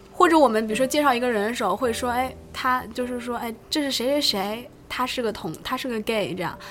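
Talking at a fairly quick clip with hardly any pauses, a woman with a high pitch and ordinary pitch variation is heard amid audible room echo. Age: young. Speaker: film podcast co-host. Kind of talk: casual chat.

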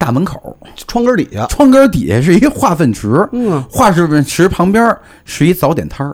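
Speech comes at a moderate pace. Its pitch swings very widely up and down. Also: man, high pitch for a man. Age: 40s. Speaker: guest storyteller recounting a field trip. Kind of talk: casual storytelling chat.

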